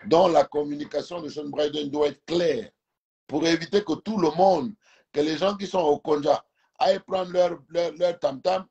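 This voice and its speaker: Man, from Gabon, Fang native speaker, slightly high voice, emphatic, repeats words, phone video call, lying on a couch. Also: steady tone, moderate pace, gravelly, warm tone, lo-fi sound. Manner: emphatic, repeats words while searching for them. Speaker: live stream guest. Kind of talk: casual debate over a video call. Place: indoors, lying on a couch at home. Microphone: phone camera held close.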